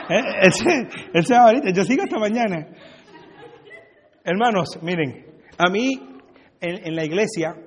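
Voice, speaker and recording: Puerto rican pastor from brooklyn, kinda husky, cracks jokes w the church, chatty sermon. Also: male voice, fairly high pitch, long reverb tail. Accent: Puerto Rican Spanish. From USA (Brooklyn), Puerto Rican family. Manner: joking, talks back and forth with the congregation. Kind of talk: conversational sermon. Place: church hall.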